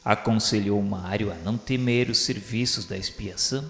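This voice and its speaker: A Brazilian man narrating a radio drama in a formal, literary style, measured and solemn. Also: lowish voice, faint music behind. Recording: roomy echo with long reverb.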